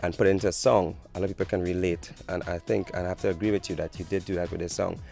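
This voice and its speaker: A man interviewing a singer, asking questions in a smooth, measured, complimentary way. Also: deep voice, little pitch movement, dark tone, soft background music.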